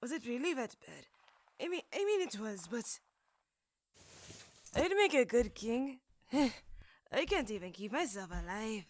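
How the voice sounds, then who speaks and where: A woman's voice: fairly high pitch, big pitch swings, a little slow, pauses often. A woman voicing a sulky, sheltered young prince who sounds petulant, hesitant and naive. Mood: glum, sulky.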